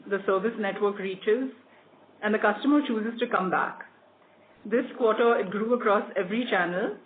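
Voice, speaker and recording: An executive reads a scripted earnings presentation in a formal, measured corporate way. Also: mid-range voice. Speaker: company executive presenting quarterly results. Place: conference call. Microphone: phone or conference call line. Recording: phone-like conference line with clear noise.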